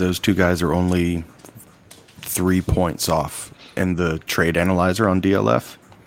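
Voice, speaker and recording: Against noticeable background noise, a man with a very deep, low pitch speaks at a fairly slow pace, with very even loudness and fairly even intonation. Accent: American. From South Carolina. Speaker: live show co-panelist reading listener questions. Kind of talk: live-stream Q&A chat.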